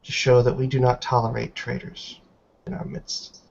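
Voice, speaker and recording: A man playing a stern elderly tribal matriarch in a roleplay game, speaking formally in deliberate, halting phrases. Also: medium pitch, level tone, gravelly, darkish tone. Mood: grave, stern. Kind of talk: tabletop roleplay in character. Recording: dull online call with background noise.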